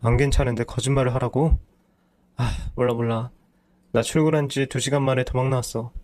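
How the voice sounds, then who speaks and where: A man's voice: medium pitch, fairly even intonation, brisk, darkish tone, lightly acted. A lazy, self-pitying husband whines excuses in a storybook reading, as a man voices him. He sounds close to an everyday male voice, defensive and sulky. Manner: whiny, defensive.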